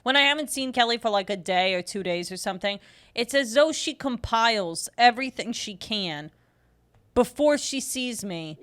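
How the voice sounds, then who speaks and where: A woman co-hosting a comedy podcast, teasing her friend playfully with quick laughs. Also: a little high, lively intonation, a bit bright. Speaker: podcast co-host. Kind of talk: casual comedy chat.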